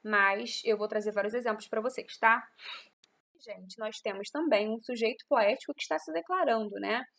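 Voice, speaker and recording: Brazilian woman teacher, bit high voice, patient, keeps checking everyone's following along. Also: moderate pace, creaky, fairly bright tone. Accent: Brazilian Portuguese. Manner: patient and explanatory, with frequent check-in tags. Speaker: literature teacher. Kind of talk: online class lecture.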